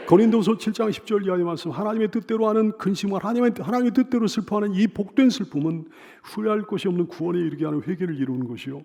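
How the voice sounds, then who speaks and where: A middle-aged male pastor preaching a sermon, swinging from loud emphatic cries to soft hushed lines, with repeated pleading phrases. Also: high voice, gravelly. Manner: leads the congregation in call-and-repeat.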